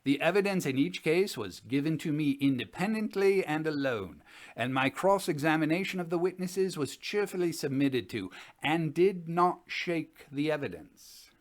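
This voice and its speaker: An older Edwardian gentleman scientist played by an actor recounts his ghost inquiry in formal, measured phrases. The voice sits fairly high for a man and moves with very lively inflection. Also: lightly acted. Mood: formal, assured. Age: 60s. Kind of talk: dramatic reading of a written chronicle. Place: indoors, home study.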